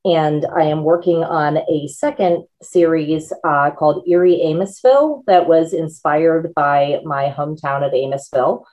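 Forty-something woman, low voice, easygoing interview guest. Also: measured pace, hardly any pauses, rough recording. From Northern Virginia, USA. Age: 40s. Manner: relaxed, chatty, laughs often. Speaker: guest author. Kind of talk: casual interview chat.

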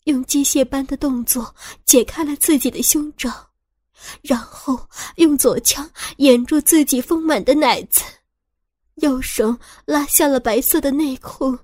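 A woman narrating a first-person audio story in a slow, hushed, tense way. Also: sits high, dry recording, clean studio sound.

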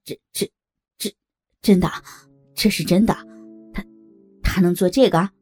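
A woman's voice: low voice, normal speed, a little mellow, breathy edge, soft background music, pitched below the performer's own voice. A woman voicing a nervous young male college student who stammers and hesitates. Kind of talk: audio story reading.

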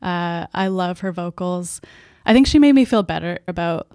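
A soft-spoken Canadian woman, a band's singer and guitarist, answering interview questions with a hesitant, laughing way of talking. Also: lowish voice, animated, moderate pace, clear, resonant tone, no echo, studio quality. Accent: Canadian English. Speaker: band's lead vocalist and guitarist.

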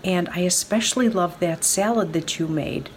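A woman speaking politely and gently in a home video. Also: fairly low pitch, normal speed, a little hiss or hum. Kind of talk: casual home video testimony.

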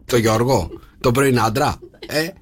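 A man's voice: mid-range voice, slight background noise. A man co-hosting a morning radio show, teasing and chatty. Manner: teasing, chatty, sing-song greetings. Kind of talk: casual radio banter.

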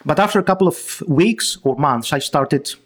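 A man's voice: a little high, expressive, normal speed. A man from Greece with a Greek accent, a guest researcher in an interview, explaining with frequent restarts and fillers. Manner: hesitant, many restarts and fillers.

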